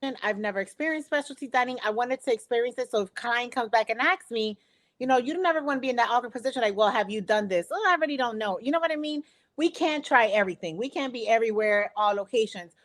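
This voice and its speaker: Woman in her thirties from Philadelphia, earnest co-host, talks things through, slightly high pitch. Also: lively intonation, fast talker. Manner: earnest, explaining at length. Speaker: co-host, travel agent. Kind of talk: casual chat.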